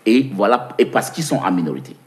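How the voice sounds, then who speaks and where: A Cameroonian man with an English-speaking Cameroonian accent and a low voice answers interview questions. His pitch rises and falls widely as he explains. He repeats words while searching for them and often poses a question before answering it. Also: big pitch swings, brisk, darkish tone. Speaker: interview guest.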